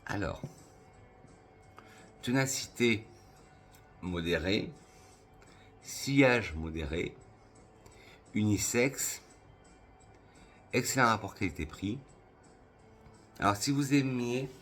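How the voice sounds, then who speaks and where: A man from France reviewing perfumes for his channel in a casual, enthusiastic way, slowly listing notes with pauses. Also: fairly low pitch. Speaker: perfume youtuber.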